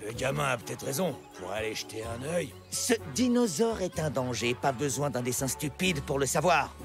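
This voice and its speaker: A man's voice: medium pitch, big pitch swings, normal speed, gravelly. A man voicing a stern, commanding tribal hunter and father in a French cartoon dub. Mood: gruff, dismissive. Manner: commanding, declamatory. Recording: music behind the voice.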